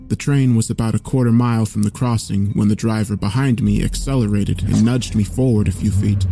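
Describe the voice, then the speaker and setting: A man narrating a scripted first-person horror story in a measured, solemn way. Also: on the low side, gravelly, dark tone. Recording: faint music behind. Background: faint background music.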